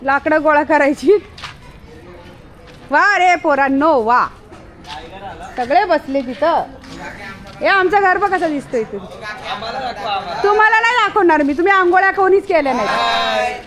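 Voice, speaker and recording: A woman vlogger, talking to her dog and her viewers in a loud, affectionate, scolding way. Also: sits high, animated, unhurried, pauses often. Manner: scolding, affectionate, calls out loudly. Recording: busy crowd noise behind.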